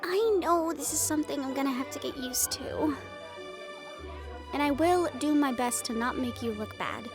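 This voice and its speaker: A woman's voice: high-pitched, moderate pace, music in the background, lightly acted. A woman playing an affectionate, spirited young Latina hunter in an intimate audio roleplay, speaking expressively and chattily to her beloved. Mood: wistful, affectionate. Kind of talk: intimate scripted audio roleplay addressed to the listener.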